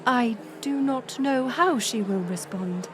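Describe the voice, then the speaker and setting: A woman playing a gracious, resolute middle-aged queen in an audio roleplay, speaking in formal, stately, measured phrases. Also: a little high, over music. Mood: gracious, candid. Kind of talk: scripted audio roleplay acting.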